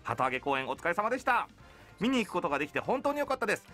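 A man hosting a radio show in a studio, talking and reading out mail in a polite, expressive way. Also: high-pitched, racing. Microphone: studio boom mic. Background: faint background music.

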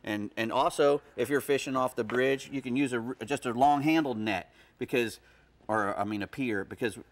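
A man's voice: mid-range voice, normal speed. A middle-aged man giving fishing tips in a casual studio chat, folksy and rambling with frequent restarts. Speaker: fishing guest expert. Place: TV studio set.

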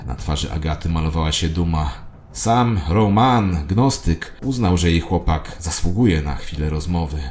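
A low, deep male voice of an actor as a paranoid, self-important conspiracy believer. He narrates his tale in the first person with solemn theatrical weight, like an audio drama, over clearly audible music. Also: animated, moderate pace, darkish tone. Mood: hushed reverence.

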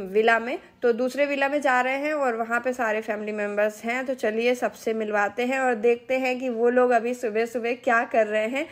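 A woman in her thirties with a Hindi accent, narrating a family vlog into a handheld phone and explaining each step to her viewers. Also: fairly high pitch. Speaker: family vlogger.

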